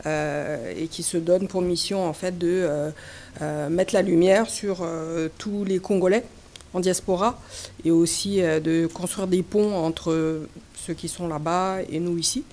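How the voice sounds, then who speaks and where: A woman's voice: on the low side, fairly even intonation, unhurried, darkish tone. A woman journalist, a Swahili speaker, putting a question at a press conference and often searching for her words.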